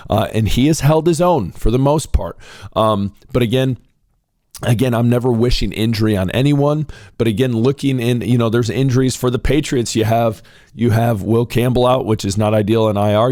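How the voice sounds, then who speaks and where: A hoarse young man, getting over a cold, hosting casual solo sports commentary in an excitable, rambling way and calling his viewers ladies and gentlemen. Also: medium pitch, no room sound, clean studio sound. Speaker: sports talk show host.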